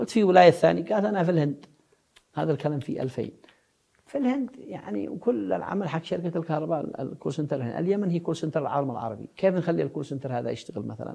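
A man talks at a fairly quick pace with a fairly high pitch, very wide pitch swings, and vocal fry. The background is quiet. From Yemen. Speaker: engineer and inventor; interview guest. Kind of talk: interview. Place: home room. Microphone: lapel.

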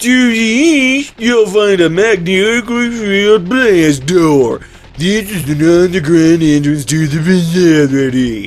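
A man speaks in a put-on character voice, high-pitched and fairly slow, with hardly any pauses and faint music in the background. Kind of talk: video game dialogue read aloud. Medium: game stream. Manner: anxious, folksy, evasive.

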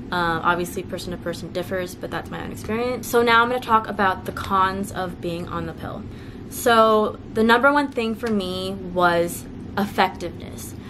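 Background noise is noticeable as a woman talks with ordinary pitch variation and big swings in loudness. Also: moderate pace. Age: 20s. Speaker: lifestyle youtuber. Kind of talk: casual sit-down chat to camera. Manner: chatty, frequent fillers. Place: home room. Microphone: camera far.

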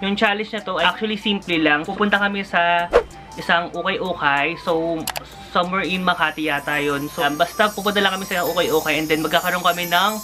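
Over clear background music, a man speaks very fast in a high voice with fairly even intonation. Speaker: vlogger. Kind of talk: casual vlog chat. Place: home room.

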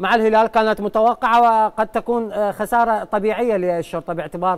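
A man speaks with ordinary pitch variation. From Iraq. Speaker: TV sports presenter; TV presenter. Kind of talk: TV sports show presenting. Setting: TV studio. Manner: formal. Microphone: lapel.

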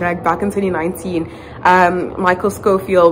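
A woman speaks in a monotone with flat intonation over light background noise. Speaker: travel vlogger. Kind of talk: casual vlog chat. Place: home room. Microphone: phone near.

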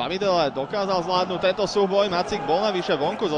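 Noticeable background noise fills the recording. A man talks over it very fast. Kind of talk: live football commentary.

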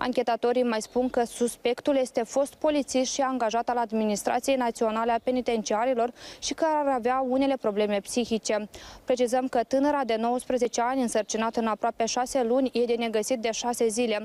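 A woman speaks at a high pitch with a dark, mellow tone, flat and monotone in intonation. Her pace is fairly quick, and the sound is dry with no echo. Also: very even loudness. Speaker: TV news reporter. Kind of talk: news report. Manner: formal. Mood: serious, measured. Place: street. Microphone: handheld.

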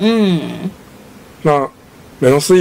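A man speaks in a Taiwanese accent. His pitch shows ordinary variation. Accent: Taiwanese Mandarin. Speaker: spa business manager. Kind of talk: radio interview. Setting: radio studio. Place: studio.

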